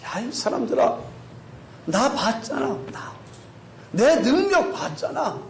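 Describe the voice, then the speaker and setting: Man doing a frustrated God, gravelly, high and swooping, echoey church hall. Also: sing-song, slow pace, slight background noise, full character voice. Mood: exasperated. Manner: pleading, scolding rhetorical questions. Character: exasperated God scolding his people.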